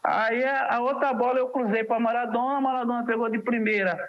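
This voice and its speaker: A man's voice: very high voice, fairly quick, highs cut off, a little hiss or hum. A man in his sixties with a Northeastern Brazilian accent, a former footballer telling stories as a guest and acting out the dialogue. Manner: animated storyteller who acts out quoted dialogue. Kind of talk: casual storytelling interview.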